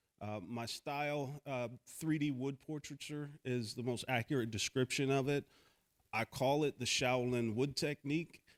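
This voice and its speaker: A plain, everyday voice at a moderate pace, with fairly even intonation and a dry, close sound with no echo. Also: man, medium pitch for a man. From US Midwest, Columbus, Ohio. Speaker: wood artist and carpenter. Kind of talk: panel discussion.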